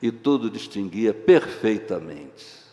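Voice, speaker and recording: The speaker has an ordinary speaking voice. Pitch variation is ordinary. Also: man. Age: 60s. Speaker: pastor. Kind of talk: sermon. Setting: church.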